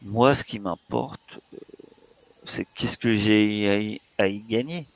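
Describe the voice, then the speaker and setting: A man's voice: lowish voice, slow. A man voicing a greedy, indifferent adult man who bargains with haughty, hesitant speech.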